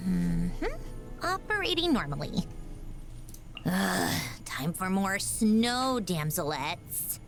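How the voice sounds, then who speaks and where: An actress playing a prim, haughty, easily exasperated young woman in a video game, speaking deliberately and disdainfully. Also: on the low side, sing-song, creaky, soft background music, heavily acted. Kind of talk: video game character voice lines.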